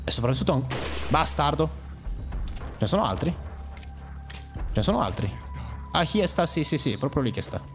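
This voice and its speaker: A young man giving let's play commentary over a game, excitable, swearing at and mocking enemies, his voice jumping into sudden high yelps. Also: moderate pace, pauses often, soft background music. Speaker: gaming YouTuber.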